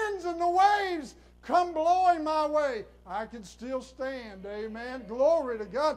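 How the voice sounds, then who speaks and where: Shouting at a fairly slow pace, a man speaks with lively intonation. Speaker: guest preacher. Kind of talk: fiery revival sermon with call-and-response amens. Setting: church. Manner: impassioned, building to shouted exhortations; folksy, repetitive, stammering restarts. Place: church.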